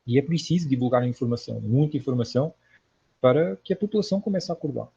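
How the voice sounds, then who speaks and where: A man's voice: medium pitch, fast, gravelly, mellow, a little hiss or hum. A man from Portugal with a Portuguese accent, speaking casually and earnestly as a livestream host, with emphatic repetition, on lo-fi audio. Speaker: online spiritual lecturer, livestream host. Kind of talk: casual livestream talk answering viewers' comments.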